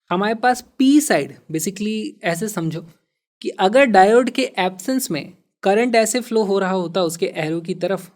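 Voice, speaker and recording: A man teaching physics and walking through exam problems in a lively way. He stresses key words and mixes in English terms. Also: high-pitched.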